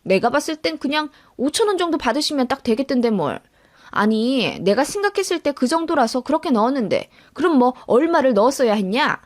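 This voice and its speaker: A woman's voice: high-pitched, very animated, a little fast. A woman voicing a grudging older mother-in-law in a radio-drama story, with curt, dismissive retorts.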